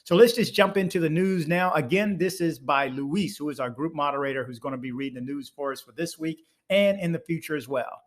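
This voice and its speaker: A man's voice: a little high, a little fast, hardly any pauses. A man hosting a YouTube channel, talking casually as he introduces a video.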